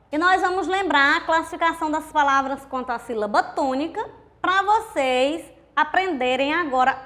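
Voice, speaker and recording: A woman with a Brazilian accent teaches a grammar lesson in a high, clear voice. She explains step by step, drawing words out and counting syllables aloud. She keeps asking the class rhetorical questions. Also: a bit bright. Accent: Brazilian Portuguese. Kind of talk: recorded grammar video lesson.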